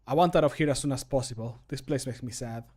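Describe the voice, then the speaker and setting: A man's voice: medium pitch, fast talker, a little mellow, close to an everyday voice. Man voicing a subdued, melancholic game adventurer. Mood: sad, subdued. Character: melancholic male adventurer, empathetic, in a fantasy game mod. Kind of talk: amateur game voice acting.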